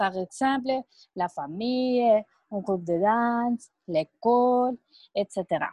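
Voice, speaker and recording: In a Spanish accent, a woman speaks at a very slow pace. Her pitch is fairly high, with ordinary variation. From Mexico. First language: Spanish (speaking French). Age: 20s. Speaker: law student. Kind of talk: casual chat.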